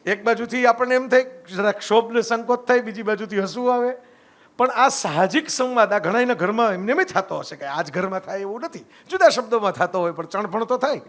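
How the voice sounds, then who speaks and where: High-voiced man giving a storytelling talk. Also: animated, a little fast. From Gujarat, India. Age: middle-aged. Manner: conversational, keeps asking "right?" to the audience. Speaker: speaker giving a lecture.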